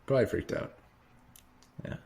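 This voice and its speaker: A man's voice: normal speed, a little mellow. A man co-hosting a podcast, riffing playfully in casual, informal banter. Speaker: podcast co-host.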